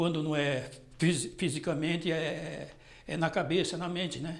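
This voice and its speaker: A fairly high-pitched man amid audible room echo. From Northeast Brazil. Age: 70s. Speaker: retired father of mentally ill daughters. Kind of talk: documentary interview testimony. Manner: halting, with repetitions.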